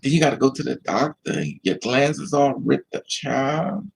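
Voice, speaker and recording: An American man hosts a livestream, telling stories to his viewers in a candid, sassy, animated way and throwing in mocking quotes. His voice is medium-pitched with vocal fry, delivered at a moderate pace. There's slight background noise.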